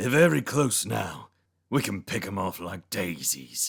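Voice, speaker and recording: A man performs a put-on character voice that is raspy and fairly low, with very wide pitch swings at a fairly slow pace. The recording is very clean, with a silent background. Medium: read story. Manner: deferential, quiet.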